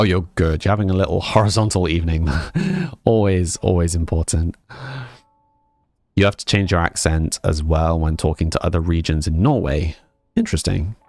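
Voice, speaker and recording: A young man with an English accent mixing northern and southern sounds, chatting casually with his stream viewers and reading their messages aloud. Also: low-pitched. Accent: English, mixed northern and southern. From England, with family in Scotland. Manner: relaxed, rambling, answers chat aloud.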